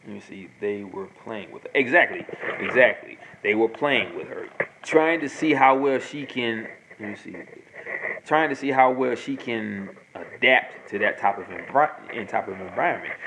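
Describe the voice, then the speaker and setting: A man talking casually and rambling in a monologue, restarting sentences and filling pauses. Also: mid-range voice. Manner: rambling, repeats himself, many fillers. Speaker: host answering viewer questions. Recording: noisy home recording.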